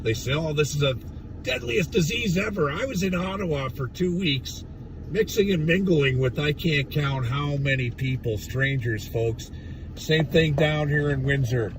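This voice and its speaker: Hoarse, raspy man ranting from his truck. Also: a little high, measured pace, distant mic, noisy background. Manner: blunt, profane, rambling. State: hoarse from yelling. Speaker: livestreamer at a protest. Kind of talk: casual ranting livestream. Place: inside a parked truck. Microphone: phone.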